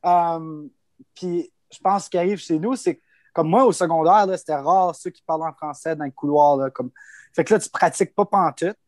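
A man's voice: on the high side, normal speed, a little mellow, no echo. A man with a Franco-Ontarian French accent, talking casually as a panelist and leaning on lots of informal fillers. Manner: loose and informal, full of "tu sais" and "comme".

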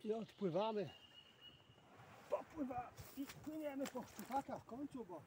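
With a very high voice, lively intonation and a moderate pace, a Polish man in his sixties vlogs while fishing from a boat on open water. He chats to camera and rambles, muttering self-deprecating comments to himself, captured by a distant outdoor mic with clear background noise.

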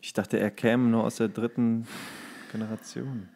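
Male co-host, average pitch, loose slangy comedic chat, sarcastic. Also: level tone, normal speed, creaky, warm tone. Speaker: podcast co-host.

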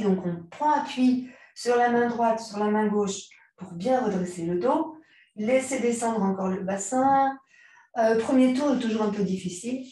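A woman guiding a yoga class, giving calm, unhurried cues timed to the breath. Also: a little high. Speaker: yoga teacher. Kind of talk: guided yoga class instruction. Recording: very echoey room, mic far off.

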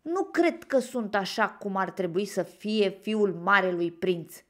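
A woman's voice: mid-range voice, natural voice. A woman voicing a timid, hopeful young male fawn in a read-aloud storybook. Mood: pleading. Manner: pleading, eager questions.

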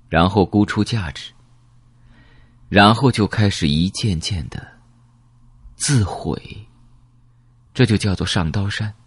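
A man's voice: low-pitched, breathy edge, no room sound. A man narrating a novel as an audiobook in a dramatic storytelling manner, dropping to a whisper for grim details.

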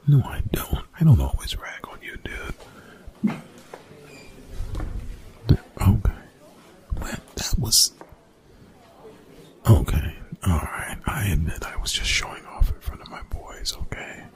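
Man playing a whispering, gravelly young college bully. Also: huge pitch swings, takes it slowly, long pauses, full character voice. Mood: defensive, exasperated. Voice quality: whispered, breathy, gravelly low voice. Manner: hushed, exasperated, slangy and swearing. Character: young male college bully, gruff, defensive, grudgingly apologetic. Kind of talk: ASMR roleplay.

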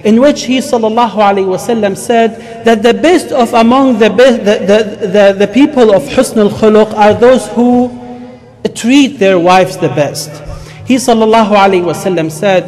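A man in his thirties with an Arabic accent preaches as an imam, emphatic and halting, repeating words as he goes. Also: high voice, darkish tone, soft background music. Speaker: imam giving a Friday sermon. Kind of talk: sermon with Arabic recitation and English explanation. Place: mosque, speaking from a wooden pulpit.

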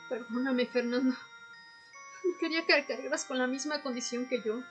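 A woman's voice: high voice, moderate pace, a bit bright. A woman playing a sorrowful, remorseful female vampire in a radio drama. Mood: sad, apologetic. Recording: dull lo-fi, music behind.

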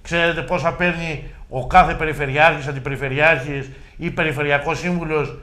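A middle-aged man speaks as a regional official in a local television interview. He argues forcefully and puts rhetorical questions to his listeners. His voice sits a little higher than most men's. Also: fairly even intonation. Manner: emphatic, argumentative, with rhetorical questions. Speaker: regional deputy governor.

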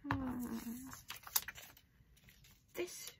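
A woman doing an ASMR craft roleplay in soft, sparse, often whispered phrases, recorded at a craft table. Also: high-pitched, extremely slow, vocal fry. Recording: noisy homemade recording with handling clicks.

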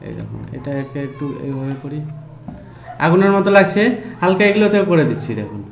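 Man slowly walking through software steps. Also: fairly high pitch, sing-song, vocal fry, echoey room, slight background noise. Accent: Bengali. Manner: slow step-by-step instructions, fillers. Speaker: tutorial host. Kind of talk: screen-recorded software tutorial.

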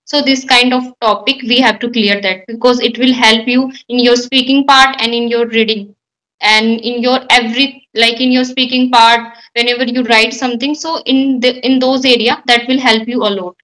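A woman's voice: a little high, steady tone, moderate pace, a bit bright, rough recording. A young woman from India speaking English with an Indian accent, Hindi and Marwari her first languages, answering questions carefully on a video call. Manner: thoughtful, careful, with frequent light laughs. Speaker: guest learner. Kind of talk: English speaking practice conversation. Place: indoor room at home. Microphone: video call webcam.

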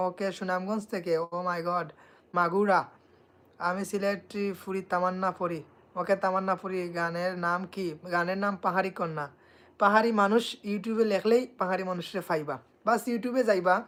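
A woman with a Sylheti accent, a singer guesting on a live stream, excitedly reading out viewers' comments and where they are watching from. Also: mid-range voice. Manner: reads viewers' comments and places aloud, excitable. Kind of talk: casual live-stream chat.

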